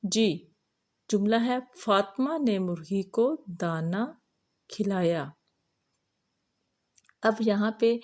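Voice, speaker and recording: A woman's voice: medium pitch, darkish tone. Woman teacher explaining a lesson. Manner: recites verses slowly, explains clearly to teachers. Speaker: teacher trainer.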